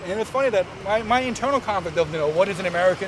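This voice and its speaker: Against noticeable background noise, a man with a New York accent talks at a very fast pace in a high pitch, with ordinary pitch variation. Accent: New York City English. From US Northeast, Queens, New York City. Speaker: playwright and performer. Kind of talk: oral history interview mixed with memoir monologue. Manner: casual with many fillers and repeats.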